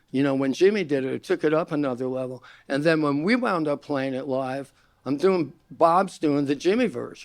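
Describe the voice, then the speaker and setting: Here a man with a New York accent talks at a fairly high pitch. He keeps a moderate pace with ordinary pitch variation. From New York (Great Neck, Long Island). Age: 70s. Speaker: musician and songwriter. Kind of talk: casual interview chat.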